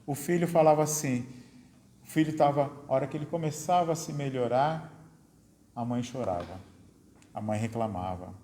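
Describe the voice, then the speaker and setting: A man's voice: mid-range voice, moderate pace, long pauses, mellow, slight background noise. A man with a Brazilian Portuguese accent giving a spiritist lecture to an audience, talking conversationally, tagging his sentences with little questions and posing rhetorical ones. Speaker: lecturer at a spiritist study center. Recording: echoey hall with long reverb.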